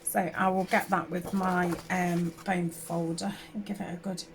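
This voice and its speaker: A woman with a sore throat from a summer cold and a slightly hoarse voice, chatting casually and rambling with many fillers as she works through a craft tutorial at home. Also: on the low side, flat delivery, a little slow, a little hiss or hum. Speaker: craft channel host.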